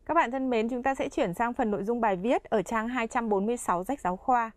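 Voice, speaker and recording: A woman's voice: fairly high pitch, fast talker. Woman presenting a language lesson. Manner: friendly, explanatory, addresses learners directly. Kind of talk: scripted lesson narration.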